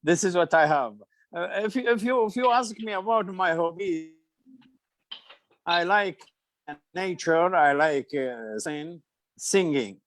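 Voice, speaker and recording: An older man with an Iraqi accent, a retired English teacher, introducing himself haltingly with long hesitations in an online group lesson. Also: high-pitched, lively intonation, rough recording. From Iraq.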